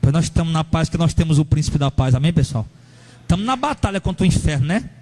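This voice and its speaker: A man preaching a sermon as pastor, animated and talking straight to members of his congregation. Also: a little high, fast talker. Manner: animated, acts out angry church members in a raised voice; addresses congregation members directly.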